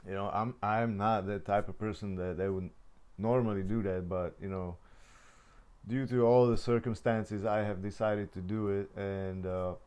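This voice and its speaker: A young Czech-born man speaks in a low, level voice with a smooth, clean tone. He rambles through a personal story, stopping and restarting often and leaning on lots of fillers. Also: fairly even intonation, normal speed, a little mellow. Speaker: vlogger. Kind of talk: casual storytelling.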